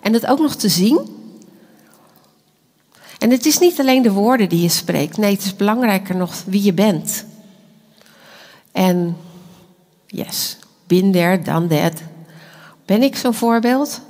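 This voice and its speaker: A woman preaching a sermon with earnest, animated delivery and the odd hushed aside. Her voice sits at an ordinary middle pitch. The sound carries a long echo, as if recorded in a large hall. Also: slow, long pauses. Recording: echoey hall.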